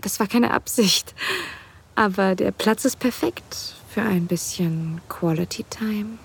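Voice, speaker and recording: An actress playing a playful, teasing married woman in an intimate audio drama, speaking in a relaxed half-whisper. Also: medium pitch, slow pace, vocal fry, slightly rough, exaggerated voice. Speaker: wife in an erotic audio drama.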